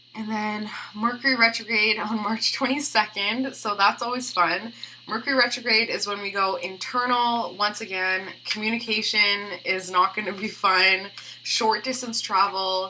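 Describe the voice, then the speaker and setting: Noticeable background noise beneath a woman's fairly high-pitched voice. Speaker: tarot reader. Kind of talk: tarot reading. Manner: fast; animated.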